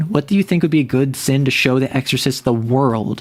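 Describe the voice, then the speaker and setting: Someone talks at a very fast pace with music in the background. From Canada. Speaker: livestreamer. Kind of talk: casual chat.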